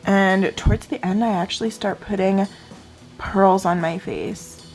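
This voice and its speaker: A woman's voice: mid-range voice, fairly even intonation, measured pace, darkish tone, soft background music. A woman vlogger chatting casually and informally to her viewers in a day-in-the-life style.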